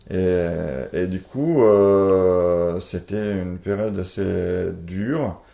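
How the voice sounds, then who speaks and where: Low gravelly man with an Italian accent. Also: very slow, dark tone, echoey room. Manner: hesitant, many fillers and restarts. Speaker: board game publisher guest. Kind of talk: casual interview talk.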